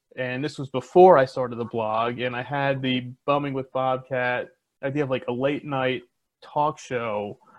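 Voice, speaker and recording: A man speaks at a fairly slow pace. His pitch is medium. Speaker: beverage podcaster guest. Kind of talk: casual interview chat. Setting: video call. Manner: animated, laughs often.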